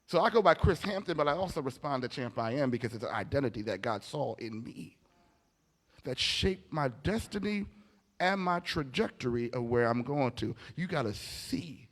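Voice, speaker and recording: A man preaching a motivational sermon, emphatic and informal, telling stories and repeating key phrases with dramatic pauses. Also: a little high, fairly bright tone. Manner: informal, anecdotal storytelling. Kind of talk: motivational sermon to a live audience. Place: large indoor hall, speaking from a stage. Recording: echoey hall with long reverb.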